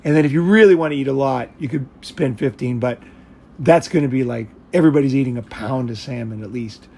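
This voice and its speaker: A man's voice: medium pitch, brisk, creaky, a little mellow. An American man chatting casually in a rambling, blunt way, with frequent swearing. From United States. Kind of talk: casual chat.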